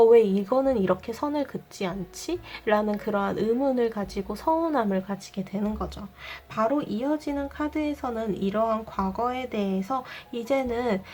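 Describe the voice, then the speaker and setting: Soft-spoken young woman reading tarot. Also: fairly high pitch. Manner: calm, explanatory, polite formal speech. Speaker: tarot reader. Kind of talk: general tarot reading to viewers.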